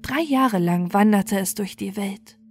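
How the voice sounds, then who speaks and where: A woman storyteller reading a bedtime fairy tale in a measured, expressive way. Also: medium pitch, faint music behind.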